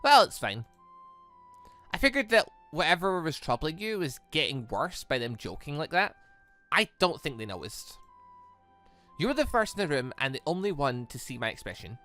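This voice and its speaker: Let's player as kind young student hero, reassuring n earnest, visual novel read, bright voice. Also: medium pitch, big pitch swings, moderate pace, soft background music.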